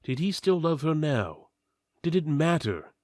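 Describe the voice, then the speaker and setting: A man narrating a mock-epic fantasy tale as a dramatic reading, theatrical and solemn with deliberate emphasis. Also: fairly high pitch, sing-song, darkish tone, no room sound, clean studio sound. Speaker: story narrator.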